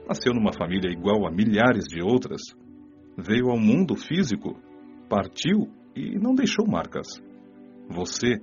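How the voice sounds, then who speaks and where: A gentle, wise spirit mentor, acted by a man with a Brazilian accent, speaks in a radio play. His counsel is solemn and didactic, rising and falling widely around deliberate pauses. The sound is dull and lo-fi, with music underneath. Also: on the low side. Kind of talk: audiobook radio-play dialogue, preaching counsel. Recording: dull lo-fi audio with music behind.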